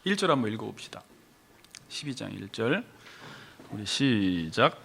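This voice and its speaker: A man preaching a sermon as pastor, animated, voicing questions and complaints as he teaches. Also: fairly low pitch, normal speed, creaky. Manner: animated, acts out questions to God and complaints from the congregation.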